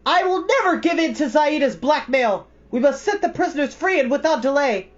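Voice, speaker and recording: Man playing a high, commanding young boy hero. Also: expressive, normal speed, highs cut off, faint music behind. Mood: defiant. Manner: loud, decisive, commanding.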